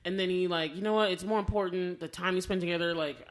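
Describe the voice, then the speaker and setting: An American woman speaks very quickly in a casual, chatty film review. She is an animated co-host who slips into quoted reactions as she tells a story. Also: fairly low pitch. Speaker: podcast co-host.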